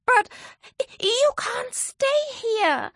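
A woman voicing a bored, excitable young girl who yelps in a high voice. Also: drawn-out words, no echo, studio quality, exaggerated voice. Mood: alarmed.

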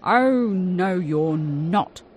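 A woman voicing an excitable Victorian male inventor who travels through time, speaking in loud, dramatic exclamations. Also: medium pitch, slow pace, slight background noise. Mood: exclaiming.

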